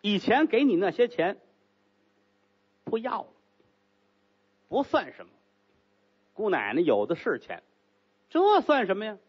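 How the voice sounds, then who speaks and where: A man voicing a haughty, commanding rich young concubine, speaking low and cool in a storytelling act. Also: wildly swooping pitch, unhurried, pauses often, husky, muffled recording, full character voice. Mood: stern, commanding.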